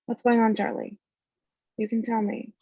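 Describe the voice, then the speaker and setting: Creaky-voiced, resolute, protective woman played by an actress. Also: fairly high pitch, level tone, moderate pace, warm tone, no room sound, lo-fi sound. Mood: concerned, protective. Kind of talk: screenplay table read acting.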